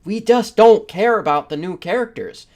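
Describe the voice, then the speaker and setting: A man's voice: high voice, expressive, moderate pace, darkish tone. Blunt man chatting on a podcast. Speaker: podcast co-host. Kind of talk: casual opinionated chat with swearing.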